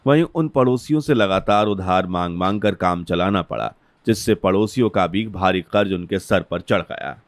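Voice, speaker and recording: A man narrating a cartoon story in a steady storytelling manner. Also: sits low, normal speed, few pauses, no room sound. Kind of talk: scripted narration.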